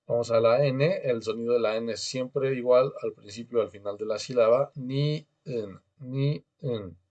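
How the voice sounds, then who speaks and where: A man's voice: mid-range voice, darkish tone. A man teaching a beginner language class online over a video call, patiently drilling pronunciation and having students repeat after him.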